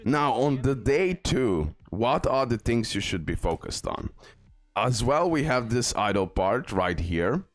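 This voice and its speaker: A gaming video creator and guide who speaks English as a second language delivers a casual, instructive mobile game tutorial, repeating his key tips and stressing them emphatically. His mid-range voice is very animated at a measured pace, with no echo.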